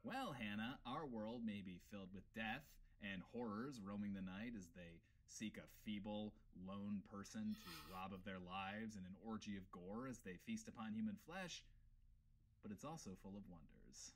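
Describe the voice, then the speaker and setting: A man's voice: on the low side, moderate pace, lightly acted. A man playing a cocky, flirty host of a post-apocalyptic advice show, talking in a wordy, theatrical, suggestive way. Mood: grandly dramatic. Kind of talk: audio drama radio host patter.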